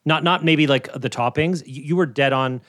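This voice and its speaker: Bright-voiced easygoing man. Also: a little high, normal speed, no echo, studio quality. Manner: easygoing, encouraging. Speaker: podcast co-host. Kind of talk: casual chat.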